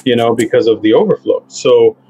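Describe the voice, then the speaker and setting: A man's voice: medium pitch, a little fast, a little hiss or hum, rough recording. Rambling man in his forties on headset. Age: 40s. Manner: relaxed, rambling, many fillers. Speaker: guest. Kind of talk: casual interview over video call. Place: home office with bookshelves.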